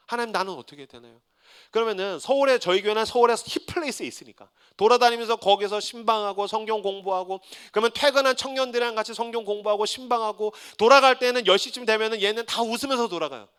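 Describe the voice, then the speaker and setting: A male pastor in his forties preaching a sermon, telling his story with humor and swinging from hushed confession to loud defiance. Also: high voice, clear, resonant tone. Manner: swings from hushed tearful confession to shouted defiance, acting out his own prayers.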